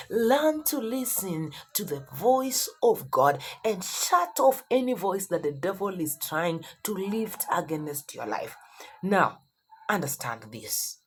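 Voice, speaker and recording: A woman preaching a motivational Christian sermon, speaking emphatically and repeating phrases for effect. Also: mid-range voice.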